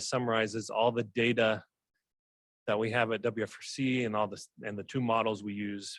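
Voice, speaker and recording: At a medium pitch, a man speaks with fairly even intonation. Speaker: transportation modeler presenting forecasts. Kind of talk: technical presentation. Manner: fast.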